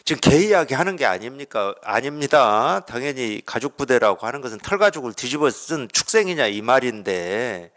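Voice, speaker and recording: A man's voice: mid-range voice, very animated, normal speed, few pauses, a bit bright. A man from Korea giving a Buddhist dharma talk as a Zen teacher, conversational, asking rhetorical questions and acting out the dialogue.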